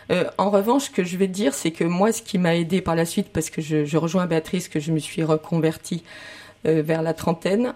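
A woman's voice: fairly low pitch, dark tone. A woman in her fifties giving a personal testimony on a discussion panel, hesitant at first and then more emphatic. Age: 50s. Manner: hesitant, many fillers and restarts, grows more emphatic. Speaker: guest sharing a testimony.

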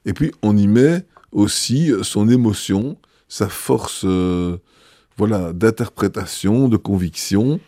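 Low, mellow man. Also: no room sound, studio quality. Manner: thoughtful, hesitant, frequent filler pauses. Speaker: bishop. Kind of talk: interview answers.

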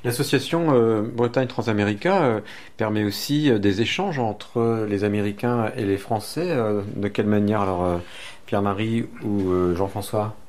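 A man hosting a radio interview, asking questions in a measured way with many hesitations. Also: lowish voice, darkish tone. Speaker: radio host.

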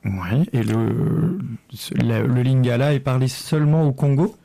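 A man hosting a community radio show, asking a guest questions in a relaxed way with fillers. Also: mid-range voice, unhurried, gravelly, dry recording. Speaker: radio host. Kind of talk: radio interview, casual.

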